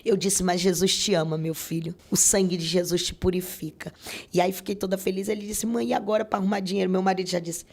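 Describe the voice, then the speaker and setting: A woman's voice: fairly low pitch, steady tone, fast talker, darkish tone. A middle-aged Brazilian woman telling a faith testimony as a podcast guest, earnest and repetitive, often acting out what others said. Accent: Brazilian Portuguese. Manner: earnest, repetitive storytelling, quoting others aloud. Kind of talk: spoken religious testimony.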